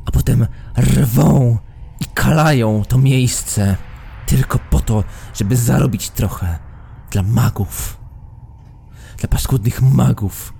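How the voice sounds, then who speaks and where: A man voicing a stern, embittered priest who guards a sacred tree, speaking slowly and accusingly in a tabletop game. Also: medium pitch, gravelly, dark tone, husky, exaggerated voice. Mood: bitter, accusing. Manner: slow, accusing, speaking through gritted teeth.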